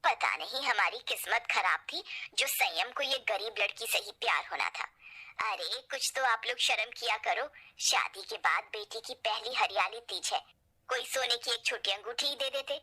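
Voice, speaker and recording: A woman's voice: on the high side, moderate pace, sharp tone, breathy edge. Woman doing a scornful mother-in-law. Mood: sneering. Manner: sneering, contemptuous. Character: harsh scornful middle-aged mother-in-law.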